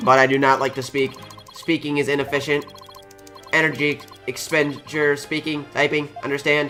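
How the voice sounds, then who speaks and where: A put-on, robotic character voice speaks at a low-to-middle pitch and a moderate pace with monotone, flat intonation. Clear music plays in the background. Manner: flat, efficient.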